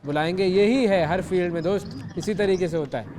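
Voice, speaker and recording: A man hosting a morning talk show, with a voice that sits high for a man. He banters easily and steers the chat, then lands his advice in rhythmic little sayings. A faint hiss runs under his voice. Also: fairly quick, big-room sound. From Pakistan. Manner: encouraging, gives advice in folksy sayings.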